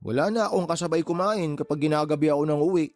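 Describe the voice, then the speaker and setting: This is a caring young man in a radio drama, voiced by a man. He talks frankly and teasingly in a slightly raised pitch, with soft music behind him. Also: fast, dry recording, lightly acted. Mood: fond. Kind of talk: Tagalog radio drama acting.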